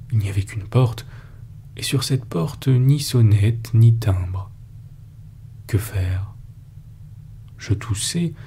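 A man narrating an audiobook story in a measured, steady storytelling manner. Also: on the low side, slight background noise. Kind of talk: scripted narration.

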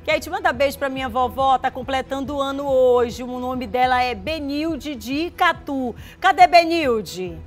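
A high-pitched woman presents live regional TV news, speaking into a studio lapel mic. She is chatty and direct with viewers, checking in with quick "tá?" tags and reading their messages back warmly, while faint music plays underneath. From Maranhão, Brazil. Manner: reads viewer messages aloud, greeting them warmly by name.

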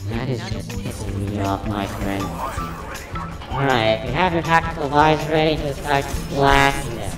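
A man's voice: mid-range voice, steady tone, a little slow. A man commentating on his shooter game, his voice run through an echoing voice changer. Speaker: gamer. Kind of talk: gameplay commentary. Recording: echoey, distant, loud game music behind.

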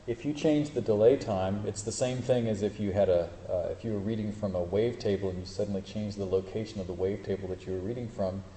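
In a lecture hall with roomy echo and faint hiss, a man gives an informal university lecture with live demos, correcting himself as he goes and cracking dry jokes. His fairly low, warm voice holds a steady tone, and he talks fast with few pauses.

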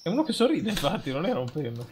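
A man with a lightly raised pitch and lively, jumping intonation banters over a video game. He is insistent and repeats himself. A faint noise and clicks sit on his mic. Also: fast. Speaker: co-player in a game livestream. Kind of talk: casual gameplay banter.

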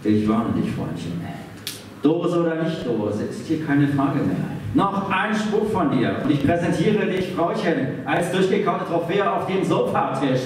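A man's voice: a little high, lively intonation, measured pace. A man voicing a sarcastic, irritable male cat in a live comedy radio play, theatrical and blustering. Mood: menacing. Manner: theatrical, blustering, stammering at times. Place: theatre stage. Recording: echoey stage, distant mic, faint noise.

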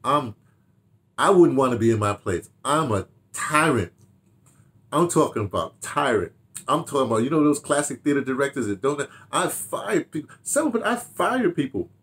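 An American man in his seventies reminiscing casually to camera in an animated, rambling way, with repeated phrases and asides. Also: medium pitch, moderate pace. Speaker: audio dramatist and theater director telling his memoirs. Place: small home study, indoors.

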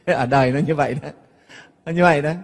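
A man's voice: on the high side, fast talker, in a large hall. A man giving a Buddhist sermon, talking to his audience in a conversational way and often asking if they follow. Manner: conversational, keeps asking "nghe không?" to the audience. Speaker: Buddhist monk giving a dharma talk.

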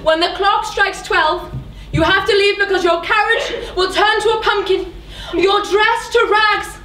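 A woman's voice: extremely high pitch, steady tone, measured pace, sharp tone, exaggerated voice. A young woman playing a cheeky, self-satisfied fairy godmother, playful and emphatic in an amateur stage pantomime. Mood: bossy, cheeky. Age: young adult. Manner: playful, emphatic, addressing the audience. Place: stage in a theatre hall. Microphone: distant camera. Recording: echoey, noisy theatre hall from far off.

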